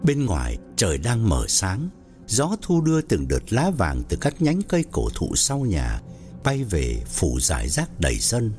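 A man narrating an audio story in a dramatic, expressive way. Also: lowish voice, unhurried, faint music behind.

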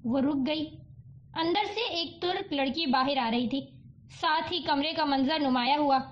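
A woman narrating a novel as an audiobook, with an even storytelling delivery. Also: high-pitched. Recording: dull lo-fi audiobook recording.

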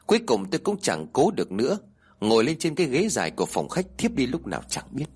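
A man tells a first-person ghost story in a slightly husky voice. His pitch rises and falls a lot, and he acts out the quoted people as he goes. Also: fast talker. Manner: lively, voices the quoted characters.

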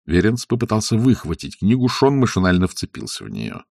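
A man narrating an audiobook with expressive storytelling. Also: low voice, a little fast, gravelly, dry recording, clean studio sound.

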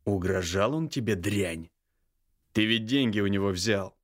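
A man voicing an enraged older brother who threatens slowly and with contempt. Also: on the low side, close to an everyday voice. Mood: furious, menacing. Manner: growling, slow and threatening. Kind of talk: audiobook character voice.

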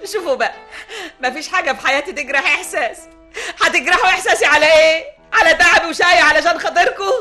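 A woman's voice: animated, rapid-fire, bright, forceful tone, soft background music. An actress playing a strict, anxious mother of grown sons in a radio drama, scolding them with an Egyptian accent. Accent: Egyptian Arabic. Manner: scolding, shrill. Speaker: mother character.

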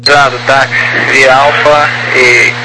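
A man's voice: mid-range voice, little pitch movement, takes it slowly. A man working as an airport ground controller, giving procedural instructions over the radio. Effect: radio transmission. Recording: noisy aviation radio channel.

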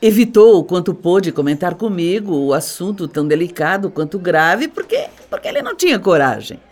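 A woman's voice: on the low side, sing-song, brisk, darkish tone. An actress playing a composed, condescending middle-aged stepmother in a radio soap opera, with a Brazilian accent and a theatrical manner. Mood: condescending, grave.

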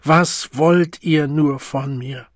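A man voicing an enraged, desperate young outcast in an audiobook, with slow, pleading outbursts. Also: a little high, fairly even intonation, no echo, clean studio sound, voice pushed up. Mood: angry, pleading.

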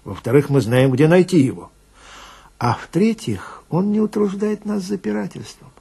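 A man playing a chatty, grumbling police detective who tells his story wryly and confidingly, with dramatic pauses, in a radio reading with a gravelly, husky voice. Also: high voice, expressive, warm tone, voice pushed up, full character voice.

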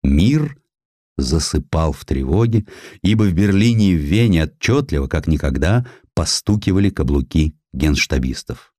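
A man narrating a scripted historical essay as an audiobook, telling it in an expressive, measured, literary manner. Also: rumbling low, no room sound, clean studio sound. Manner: expressive, measured storytelling delivery.

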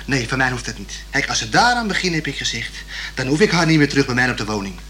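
A man playing a plain-spoken, stubborn but good-natured young working-class man in a radio play, talking haltingly and colloquially. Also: mid-range voice, very animated, bright, forceful tone. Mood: stubborn, grumbling. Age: young adult. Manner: halting, colloquial, repeating himself.

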